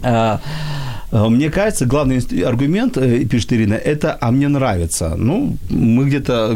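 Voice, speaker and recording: A man's voice: medium pitch, warm tone. A man with a Belarusian accent hosting a casual live discussion, restating his points for emphasis as he goes. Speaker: host. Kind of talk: casual live discussion, answering viewer questions.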